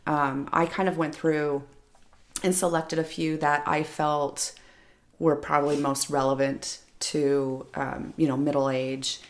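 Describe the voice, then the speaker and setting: Hoarse, raspy middle-aged woman co-host. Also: low-pitched, flat delivery, a little slow. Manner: rambling, filler-heavy, winging it. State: hoarse from a bug. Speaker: podcast co-host. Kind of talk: casual chat.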